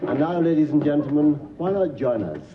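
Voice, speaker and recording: Brief: dry deadpan stand-up, lively pitch, distant and muffled with crowd. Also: male voice, a little fast. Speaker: stand-up comedian. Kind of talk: deadpan stand-up one-liners. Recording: distant muffled TV audio with audience.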